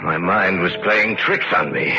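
An actor playing a bitter, vengeful nobleman who narrates his grudge in measured, brooding tones, in the manner of an old-time radio drama. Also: low-pitched. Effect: old-time radio drama broadcast sound. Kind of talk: 1940s-50s radio acting. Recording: lo-fi old radio recording with loud music bed.

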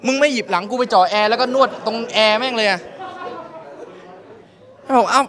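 A man's voice: sits high, normal speed, crowd noise. A young man telling a crude, exasperated stand-up story on a comedy stage, swearing often and acting out the people in it.

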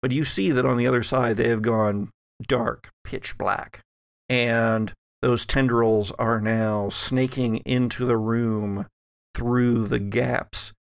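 A man narrating a tabletop horror game as game master, improvising in a deliberate, halting way. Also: medium pitch, steady tone, vocal fry, smooth, no room sound, studio quality.

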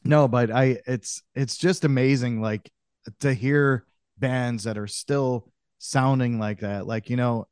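A man hosts a podcast in a loose, casual way. He swears freely and pads his talk with fillers. His voice sits at a middle pitch, recorded dry and close. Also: fairly even intonation, slow pace, a little mellow, clear, resonant tone, no room sound. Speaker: podcast host.

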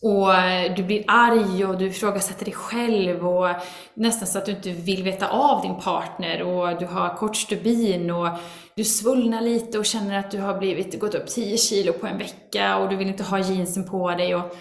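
A woman's voice: mid-range voice, gravelly, echoey room. A woman guest talking earnestly in a casual conversation, now and then acting out her own inner voices. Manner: earnest, animated, with acted asides of her inner critic.

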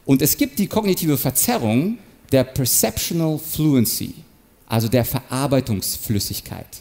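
Lively man giving an animated talk. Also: mid-range voice, moderate pace, vocal fry. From Ukraine. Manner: animated, explanatory, acts out short quoted examples. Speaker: speaker on manipulation and rhetoric. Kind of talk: stage talk to an audience.

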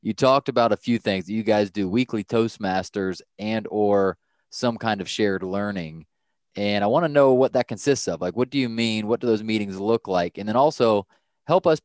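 Man, podcast host, low pitch, casual questions, dry close sound. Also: darkish tone, dry recording. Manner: friendly, conversational questioning.

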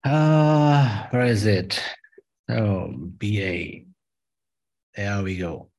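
A man's voice: on the low side, lively intonation, a little mellow. German man explaining trading charts. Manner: friendly, halting non-native English with many fillers. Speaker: trading guest presenter. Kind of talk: live online trading webinar, walking through charts.

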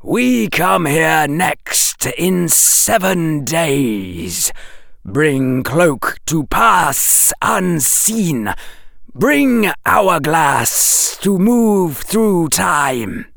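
A man voicing a sardonic, hissing snake that speaks in slow, clipped, broken phrases. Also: on the high side, very animated, vocal fry, a bit bright, dry recording, studio quality, pitched above the performer's own voice, full character voice.

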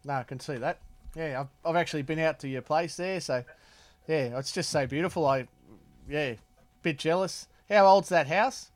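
A man's voice: on the high side, moderate pace. An Australian man co-hosting, asking friendly questions and making joking asides. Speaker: podcast co-host. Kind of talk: casual interviewing.

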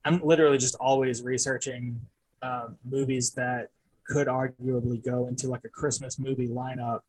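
A man's voice: medium pitch, flat delivery, normal speed, a little mellow, slightly rough, no echo, rough recording. A man co-hosting a casual movie podcast, talking in a loose, rambling way with frequent fillers and chuckles. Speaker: podcast co-host. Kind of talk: casual chat.

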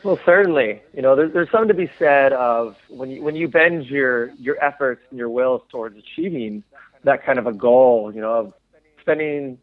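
A man from the United States talks things over in a reflective, halting way, full of pauses and restarts. His mid-range voice comes through a narrow, tinny phone-like line. The sound is dry, with no room around it. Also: mid-range voice, no room sound. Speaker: interview guest, former Olympic swimmer. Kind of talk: casual interview conversation.

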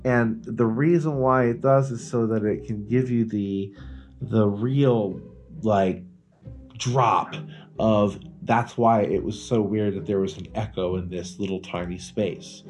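Male podcast co-host, low voice, informal and emphatic, loose profane storytelling over a music bed. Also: fairly even intonation, takes it slowly, a little mellow. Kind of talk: casual banter and storytelling.

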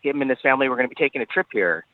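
A man's voice: mid-range voice, animated, racing, dry recording. A man from California calling in over the phone to a talk show, chatty and easygoing, speaking from a beach lounge chair outdoors. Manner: easygoing, chatty, laughs often. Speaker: caller. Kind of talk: casual call-in chat. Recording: dull phone line with faint noise.

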